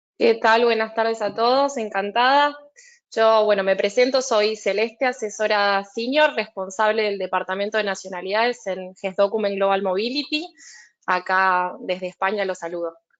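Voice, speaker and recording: A woman with an Argentine accent speaks at a fairly high pitch against a quiet background. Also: ordinary pitch variation, moderate pace. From Argentina. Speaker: nationality advisor. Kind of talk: webinar introduction.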